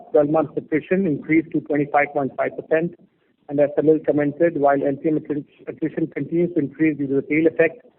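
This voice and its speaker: A man reads out quarterly earnings figures in a measured, steady way. His slightly raised voice comes through a tinny phone line. The delivery is prepared and businesslike. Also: fairly high pitch. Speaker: company finance executive. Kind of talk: prepared earnings call remarks.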